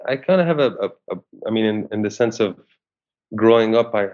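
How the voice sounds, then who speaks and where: A man's voice: on the low side, animated, brisk, a little mellow. A man from Syria, an actor, talking in an interview in a hesitant way with many restarts. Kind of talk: interview conversation. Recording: muffled lo-fi sound.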